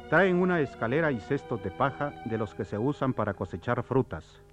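A man's voice: medium pitch, animated, a little fast, faint music behind. A man giving scripted narration of stage directions for a play. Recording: slightly dull lo-fi drama recording.

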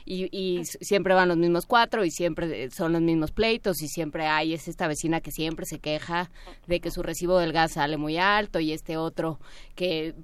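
A woman on a radio talk show, talking in an animated way with hesitant restarts. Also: deep voice, moderate pace, clear, resonant tone. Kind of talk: casual discussion.

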